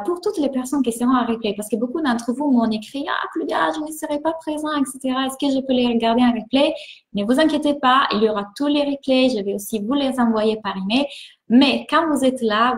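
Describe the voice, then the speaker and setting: An Italian mindset coach with an Italian accent hosts a live stream, warmly greeting viewers and enthusiastically repeating words. Her pitch is fairly high, her pace fairly quick, and the sound is reverberant.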